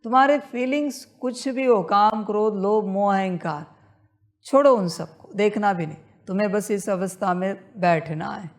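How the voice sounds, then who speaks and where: A woman with a medium-pitched voice leads a guided meditation. She speaks slowly and insistently in a spiritual manner, repeating her instructions.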